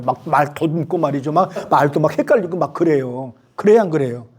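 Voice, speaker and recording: A man's voice: a little high, a little mellow, breathy edge. A man in his sixties, a professor giving a university lecture, chatty and storytelling, with many rhetorical questions.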